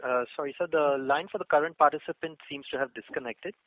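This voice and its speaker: A man's voice: on the high side, fast talker, dry recording. A man moderating a conference call with formal, polite, scripted announcements. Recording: dry, tinny phone line.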